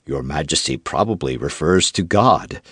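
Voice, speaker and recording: A man voicing a calm, shrewd captain of musketeers who speaks quietly and with measured composure in an audiobook. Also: very deep voice, husky, dry recording, studio quality, voice pushed down, exaggerated voice. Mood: composed.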